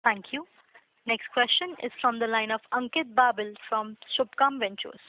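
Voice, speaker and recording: A woman's voice: on the high side, normal speed. A woman making formal announcements as a conference call operator. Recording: narrow phone line.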